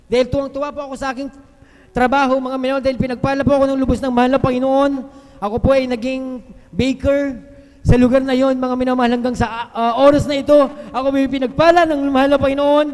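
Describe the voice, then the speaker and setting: A man giving a fervent testimony at a worship service, repeatedly addressing the congregation and breaking into loud hallelujahs. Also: extremely high pitch, little pitch movement, fast talker. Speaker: church member giving testimony. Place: church worship hall. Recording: long hall reverb on a live stream.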